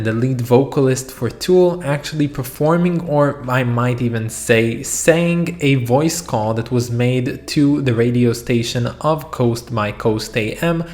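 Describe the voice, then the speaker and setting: A man giving a casual, enthusiastic spoken album review, often saying "you know" and "like" as he goes. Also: mid-range voice.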